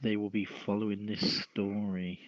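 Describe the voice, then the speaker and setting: A man hosting a news podcast, reading stories aloud in a halting way with stumbles. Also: lowish voice, level tone, no echo. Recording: dull lo-fi, dry close sound.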